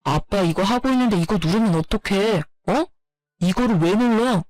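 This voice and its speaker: A man's voice: sits high, moderate pace, a little mellow, dry recording, lightly acted. A man voicing an irritable young husband obsessed with gaming, whiny and defensive as he snaps back. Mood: angry. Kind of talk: narrated story dialogue.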